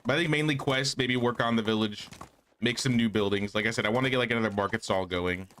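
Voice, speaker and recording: A gaming streamer plays a game while casually chatting with viewers and answering their messages in a live stream. He talks fast in a medium-pitched, fairly bright voice, and there's a little hiss or hum.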